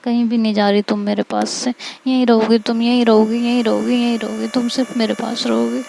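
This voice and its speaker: A playful, possessive young woman in a spoken romance story, voiced by a woman narrator, fairly high in pitch. She teases and clings, with a pleading, insistent way of talking. Faint hiss runs under the recording. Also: level tone, brisk, gravelly, warm tone.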